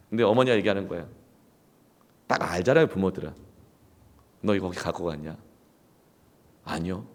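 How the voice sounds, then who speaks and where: A male pastor preaching a sermon through personal stories, emphatic and swinging from hushed asides to loud outbursts. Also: sits low, gravelly.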